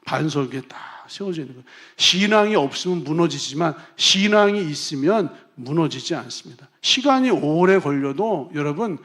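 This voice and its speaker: Male pastor, middle-aged, high-pitched, emphatic sermon delivery shifting between quiet and forceful. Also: animated, normal speed, hardly any pauses. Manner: emphatic preaching, swinging from soft to loud.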